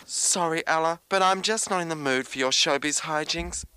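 A woman's voice: low-pitched, normal speed, sharp tone, smooth. A woman playing a dramatic, anxious, easily tearful young dating-agency owner in a comic radio drama. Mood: exasperated. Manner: melodramatic, whiny.

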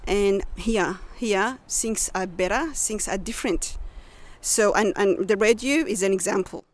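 A woman's voice: medium pitch, a little slow. A woman, a community radio co-founder speaking reflectively in a casual interview, often restarting as she searches for words. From Sudan.

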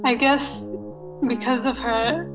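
A woman musician answers interview questions hesitantly, full of fillers and restarts. Her voice is fairly high but stays flat and even, with music clearly audible behind her. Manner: hesitant, halting, with many fillers. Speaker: musician guest. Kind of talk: casual interview.

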